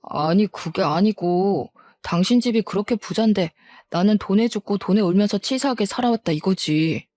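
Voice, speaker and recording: A woman's voice: medium pitch, moderate pace, dark tone, dry recording, clean studio sound, natural voice. A woman voicing a resentful, self-pitying middle-aged husband in a dramatized story reading. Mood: pleading. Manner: whining, then defiant and bitter.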